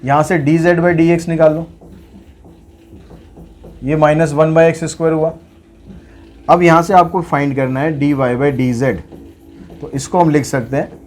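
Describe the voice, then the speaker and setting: Here a man with a higher, slightly mellow voice leads a maths lesson. He narrates every step of each problem, asking questions and supplying the answers himself.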